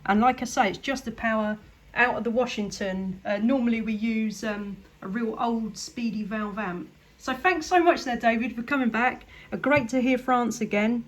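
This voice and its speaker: An Englishwoman with a slightly high voice chats casually on CB radio at a normal pace. She sounds upbeat and appreciative during the contact.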